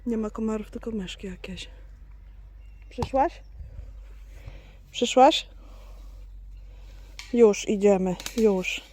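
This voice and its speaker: A woman's voice: medium pitch, fairly even intonation, moderate pace, few pauses, mellow, slight background noise. A woman vlogging outdoors on her farm, chatting to her goats and to her viewers. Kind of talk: casual vlog chat.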